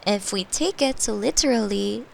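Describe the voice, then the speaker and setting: A woman playing a caring, playful girlfriend in a soft, tender, breathy bedtime ASMR roleplay. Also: medium pitch, expressive, slight background noise. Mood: gently teasing. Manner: soft, slow, tender, often breathy and whispering. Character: caring, playful girlfriend soothing her partner to sleep.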